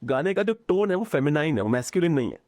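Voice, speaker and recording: A man talking in a casual podcast conversation, animated and opinionated, mixing English phrases into his speech. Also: on the high side, quick pace, no room sound. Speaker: podcast guest.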